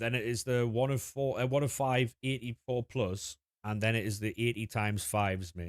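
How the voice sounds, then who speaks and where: A man with a northeast England accent speaks at a medium pitch. The recording is very clean and dry, close with no echo, with a silent background. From northeast England, Sunderland. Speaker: gaming streamer. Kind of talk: casual chat. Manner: casual, relaxed.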